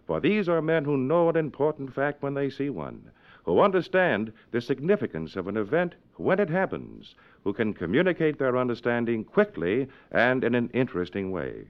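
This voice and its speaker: A man's voice: medium pitch, sing-song, moderate pace. An American man announcing on 1950s network radio with formal, polished, scripted delivery. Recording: dull, lo-fi 1950s radio recording.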